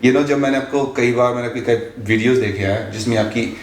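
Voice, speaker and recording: A man's voice: medium pitch, brisk, roomy sound. A man in his fifties talking as a guest trainer, telling stories in a casual chat and switching between Hindi and English with frequent restarts. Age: 50s.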